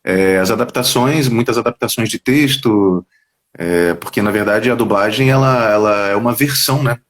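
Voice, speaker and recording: A man, a voice actor telling stories in a casual interview over a video call. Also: lowish voice. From Brazil. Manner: quick, animated storyteller, drops into quoted voices. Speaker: voice actor guest. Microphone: headphones on a video call.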